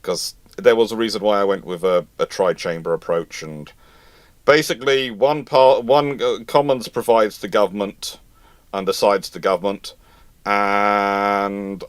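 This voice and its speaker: Animated man hosting a live Q&A. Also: on the low side, clean tone, no room sound. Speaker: host of a live history Q&A. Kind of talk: casual live-stream chat.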